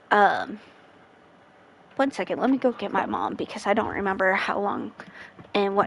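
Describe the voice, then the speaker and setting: Noticeable background noise runs under the speech. The delivery has fairly even intonation and a moderate pace. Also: woman. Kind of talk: casual live-stream chat.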